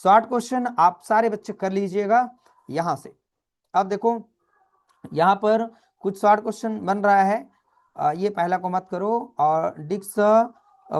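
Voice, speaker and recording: A man, teaching a brisk exam revision lesson and calling his students children. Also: high-pitched, a little mellow.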